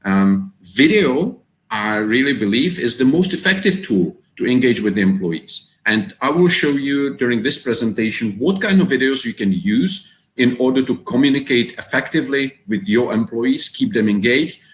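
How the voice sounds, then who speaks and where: A Czech man, accent clearly Czech, runs a live webinar with an animated, mid-range voice at a moderate pace. Even so, he speaks hesitantly, repeating words and leaning on fillers, and the audio carries a roomy echo.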